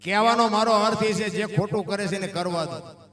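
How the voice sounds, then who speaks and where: High-voiced Kathiyawadi folk storyteller. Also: male voice, a little fast, fairly bright tone. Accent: Kathiyawadi Gujarati. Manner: folksy, calls listeners "bapu". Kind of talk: devotional folk talk with a parable. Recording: echoey, distant stage mic.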